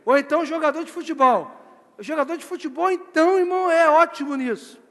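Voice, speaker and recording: High-voiced male preacher in echoing hall. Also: a little fast. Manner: lively, theatrical, acts out scenes. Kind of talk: live church sermon. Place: church service hall. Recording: long church hall reverb.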